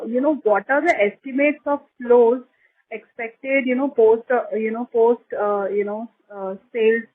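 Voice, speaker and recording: A woman with an Indian accent asks analyst questions over a narrow telephone line. Her voice sits fairly high. She feels her way through each question haltingly, repeating phrases as she probes. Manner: halting, repetitive, probing. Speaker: analyst asking questions on an earnings call. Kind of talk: question-and-answer on a conference call. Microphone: telephone conference call. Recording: tinny narrow phone line.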